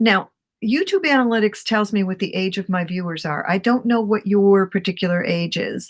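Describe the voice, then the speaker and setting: A woman's somewhat breathy voice at medium pitch, moving at a moderate pace. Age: 60s. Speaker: wig channel host. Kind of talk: live stream chat. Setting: live stream. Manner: animated.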